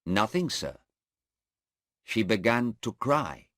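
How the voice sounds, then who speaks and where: Guy reading as a nervous polite airport policeman, slow and unsure, dry sound. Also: on the low side, big pitch swings, fairly bright tone, dry recording, pitched above the performer's own voice, heavily acted. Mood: hesitant.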